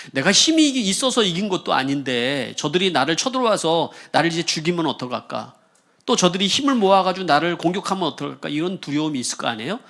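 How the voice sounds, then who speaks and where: A man's voice: fairly high pitch, gravelly. A male pastor preaching a sermon, asking the congregation questions and acting out the voices in the quoted passages. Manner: animated preaching, asks the congregation questions, acts out quoted speech. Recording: church service stream.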